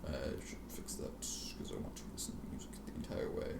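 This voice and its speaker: A man reading fan fiction aloud in an expressive, sardonic manner, with casual asides. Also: fast, whispered. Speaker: amateur fan fiction reader. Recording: roomy, faintly noisy home recording.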